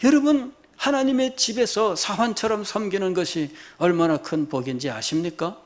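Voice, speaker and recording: A middle-aged man preaching a sermon as pastor, swinging between hushed low lines and loud, high exclamations, repeating phrases and firing rhetorical questions at the congregation. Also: normal speed.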